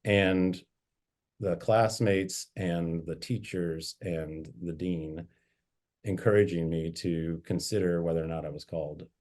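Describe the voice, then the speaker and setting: A man's voice: low-pitched, fairly even intonation, takes it slowly, a little mellow. A man, a bishop, reflectively telling anecdotes from his life in a conversational interview. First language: English. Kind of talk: interview storytelling.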